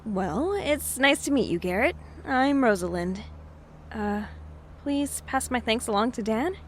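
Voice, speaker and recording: A young woman with a dry, teasing, understated manner in a naturalistic audio drama. Her voice sits a little high and she speaks slowly. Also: lively intonation, slight background noise. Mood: polite. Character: Rosalind, young woman newly in town, dryly teasing.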